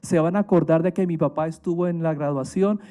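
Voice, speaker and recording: A man's voice: a little high, a little fast, warm tone. A Colombian man, a priest, giving a motivational talk to families and staff, emphatic and full of rhetorical questions.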